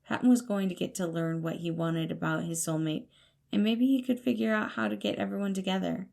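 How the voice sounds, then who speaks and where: A woman's voice: medium pitch, a little fast, gravelly, darkish tone. A woman reading scripted fiction as the narrator of an audio story. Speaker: podfic narrator.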